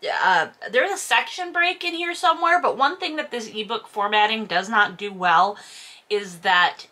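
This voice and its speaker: Sarcastic woman with a bright, forceful voice. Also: mid-range voice. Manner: sarcastic, sweary, exasperated. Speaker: host reading a novel aloud with commentary. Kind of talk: casual mocking commentary on a book.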